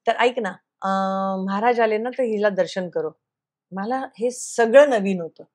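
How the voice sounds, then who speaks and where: An earnest woman recounts a personal story for an interviewer, her voice sitting at a middle pitch. She acts out the lines other people spoke to her and slips English phrases into her speech. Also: unhurried, darkish tone. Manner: earnest, recounts events by acting out quoted dialogue. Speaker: television actress, interview guest.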